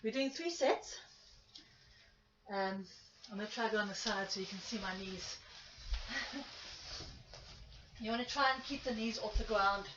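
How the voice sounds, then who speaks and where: A woman's voice: mid-range voice, unhurried, long pauses. A woman instructing an exercise class in short step-by-step cues and counts, with informal asides, audibly exerting herself as she demonstrates. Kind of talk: spoken workout instruction with counting. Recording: echoey room, distant mic, muffled, faint noise.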